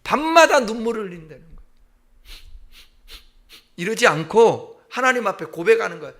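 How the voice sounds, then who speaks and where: High bright-voiced guy preaching in church, emphatic, acts out prayers. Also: animated, normal speed. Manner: emphatic preaching, acting out quoted prayers with rising intensity. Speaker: pastor. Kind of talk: sermon. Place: church sanctuary.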